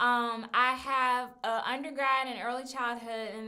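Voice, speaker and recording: The voice has a bright, sharp tone, with audible room echo. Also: woman. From US South, Atlanta. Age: 20s. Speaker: podcast host and teacher. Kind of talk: live stream Q&A chat. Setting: live video stream. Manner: animated.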